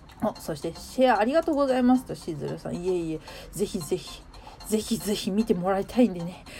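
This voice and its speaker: Over noticeable background noise, a woman of medium pitch talks at a fairly quick pace with lively intonation. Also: big swings in loudness. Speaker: handmade crafter and radio-style show host. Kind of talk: casual live-stream chat with listeners. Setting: Twitter Spaces live audio stream. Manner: stumbling over words, slightly odd pronunciation; frequent laughing, chatty.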